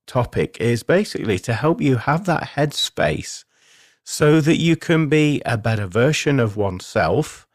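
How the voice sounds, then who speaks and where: A man hosting a spiritual self-help radio show, talking in a measured, explanatory way with deliberate pauses. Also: mid-range voice, no room sound, clean studio sound.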